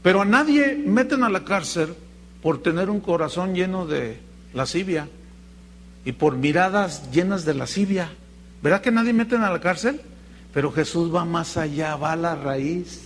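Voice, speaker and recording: A male pastor preaches in an animated storytelling manner. His voice sits fairly high, and he slips into other people's voices when he quotes them. A faint hum runs under the recording. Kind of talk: sermon with acted anecdotes.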